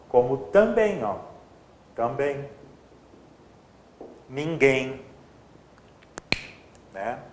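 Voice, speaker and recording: A man's voice: medium pitch, darkish tone, roomy sound. A man teaching an exam-prep grammar lesson, explaining step by step and checking in with his students often.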